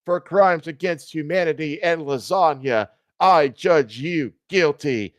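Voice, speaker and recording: A man's voice: on the high side, unhurried, no echo, studio quality, natural voice. A man voicing a swaggering, smug and seductive heroic cartoon cat in a storybook reading. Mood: righteous, mighty.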